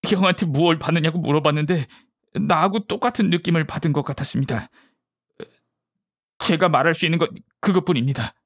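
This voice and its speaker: A man acting a shaken gentleman witness in an audiobook, with a fairly high male voice. He is polite and hesitant, testifying in distress about a horror, and the sound is close and dry. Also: fairly quick, no room sound, close to an everyday voice. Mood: polite, uneasy. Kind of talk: audiobook character dialogue.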